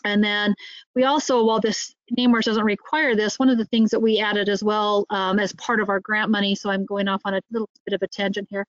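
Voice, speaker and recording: A woman gives an informal work update in an online meeting. Her voice is mid-pitched, and the recording is dry and a bit dull. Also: flat delivery, brisk, no echo. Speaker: state agency representative. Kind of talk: informal progress report in a meeting.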